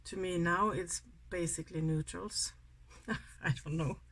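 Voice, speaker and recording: A woman's voice: lowish voice, steady tone, a little slow. A Swedish woman in her sixties with a Swedish accent, chatting casually and a little ramblingly while doing a makeup tutorial. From Sweden. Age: 60s. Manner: chatty, rambling, soft-spoken. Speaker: beauty vlogger.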